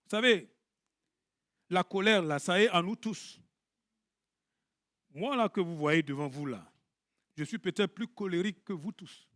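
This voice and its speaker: A high-voiced, bright middle-aged man preaches, dry and close to the mic. He is animated and playful, jumping from loud bursts to near whispers. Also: unhurried, long pauses, dry recording. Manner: animated, swings from loud to hushed, jokes with the congregation. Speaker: pastor. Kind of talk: lively sermon.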